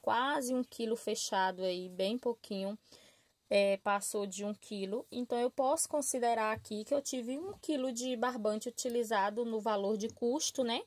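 Seated at a work table in a small room, a Brazilian woman hosting a crochet channel talks to viewers at normal speed in a slightly high voice, with no echo. Friendly and warm, she calls them "gente" and constantly adds "tá?" and "né?" as she explains. The camera looks down on her hands and table.

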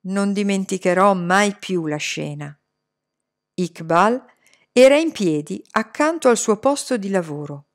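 A woman narrating a novel chapter in the first person, measured and expressive. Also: fairly high pitch. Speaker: audiobook reader. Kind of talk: scripted narration.

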